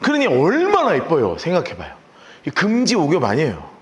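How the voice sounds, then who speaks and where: A male pastor preaching a sermon, telling the story in an animated way and acting out the characters. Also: on the high side, brisk, lo-fi sound.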